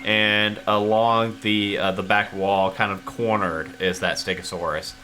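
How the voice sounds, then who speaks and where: A man running a tabletop game as game master, narrating casually and haltingly as he thinks aloud. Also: on the low side, fairly even intonation, sharp tone, a little hiss or hum.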